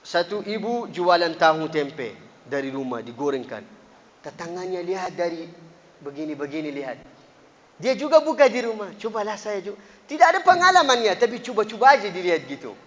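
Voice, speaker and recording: A man from an Arab country with an Arabic accent, speaking a second language as he teaches in an earnest, lively mosque sermon. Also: high voice, brisk, big-room sound, lo-fi sound. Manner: earnest, lively, rising emphatic bursts. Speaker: Quran teacher. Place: mosque hall.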